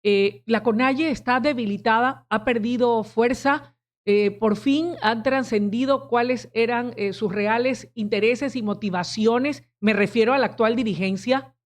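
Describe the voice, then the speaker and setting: A woman's voice: a little high, a little slow. A woman hosting a radio interview, asking formal, courteous questions with small hesitations.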